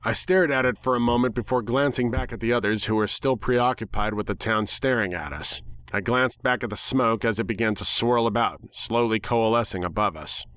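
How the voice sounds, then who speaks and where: Guy narrating a story, deadpan and wry, medium pitch, really dry close sound. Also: normal speed, smooth, no room sound. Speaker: narrator, dramatic reader. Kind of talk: scripted first-person story narration.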